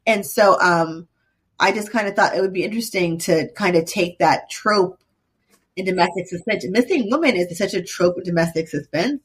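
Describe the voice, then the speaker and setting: Woman, 40s, guest author; husky, lowish voice; loose, filler-heavy chat. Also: moderate pace. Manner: chatty, many fillers and restarts. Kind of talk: casual interview chat.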